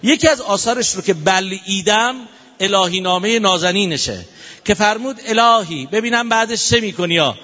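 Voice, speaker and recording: A man preaches animatedly and playfully to a live audience and keeps prompting them to applaud. His voice is very high and bright. It carries a long hall reverb on dull, muffled audio. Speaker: religious speaker. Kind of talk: lively sermon to a live audience.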